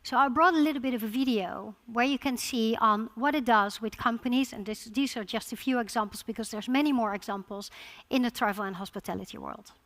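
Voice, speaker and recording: A woman's voice: a little high, fairly bright tone. A woman from the Netherlands with a Dutch accent, giving a conference presentation with frequent restarts. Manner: halting restarts, repeated words. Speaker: conference speaker.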